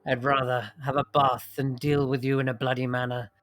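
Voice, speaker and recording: A man voicing a condescending hag villainess in a tabletop game, slow and theatrical, with mock-polite menace. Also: medium pitch, little pitch movement, fairly bright tone, dry recording, faint music behind, close to an everyday voice. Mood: oily, bargaining. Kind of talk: tabletop role-play.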